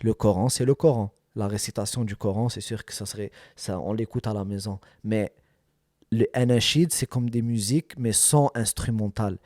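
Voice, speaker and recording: A man's voice: lowish voice, normal speed, a little mellow, no echo, clean studio sound. A man talking casually as a rapper being interviewed, emphatic, often repeating phrases and checking that he is understood.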